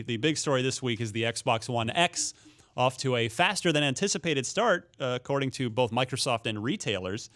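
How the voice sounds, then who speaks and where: A man's voice: mid-range voice, a bit bright. A man hosts a casual gaming podcast, chatting and acting out little quoted asides as he goes. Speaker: podcast host.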